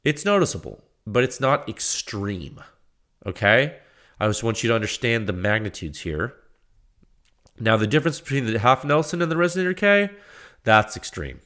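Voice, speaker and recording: A man hosting a technical podcast, congested from a cold, explaining measurements in a halting way with many restarts. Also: mid-range voice, sing-song, a bit bright. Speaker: podcast host. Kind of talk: technical talk.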